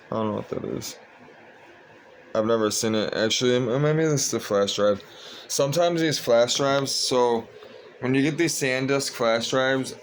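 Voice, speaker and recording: A young man talking casually to his viewers at home, sleepy and monotone, rambling with lots of fillers. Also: mid-range voice, slight background noise. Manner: monotone, meandering, frequent fillers. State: tired, sleepy. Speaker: vlogger.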